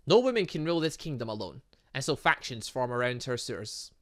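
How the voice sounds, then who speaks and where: A man with a mid-range, sing-song voice speaks a little fast as he plays a visual novel for his gaming channel. His commentary is casual and chatty, mixing read-aloud game text with thinking out loud and quiet asides to himself.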